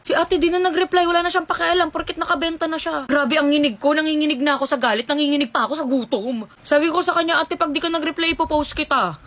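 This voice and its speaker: A high-voiced young woman tells casual storytime anecdotes straight to her viewers. She is chatty and gossipy, calls them "te" and drops English words into her talk. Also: fairly even intonation, fast, few pauses, a bit bright. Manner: chatty, gossipy, addresses listeners as "te", mixes in English. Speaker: storytime vlogger.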